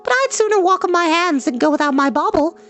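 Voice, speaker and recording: Very high, spirited young princess. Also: male voice, animated, quick pace, fairly bright tone. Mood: breezy, decided. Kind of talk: animated storybook character voice.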